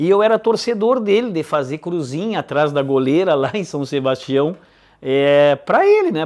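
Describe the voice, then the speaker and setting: A man's voice with very wide pitch swings. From southern Brazil, Rio Grande do Sul (Dom Pedrito countryside, then Bagé). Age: 60s. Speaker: former professional footballer. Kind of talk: interview. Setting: at his home.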